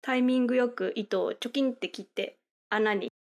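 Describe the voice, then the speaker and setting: A woman's voice: a little high, fairly quick. A woman co-hosting a podcast interview, asking friendly, curious questions. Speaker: podcast co-host.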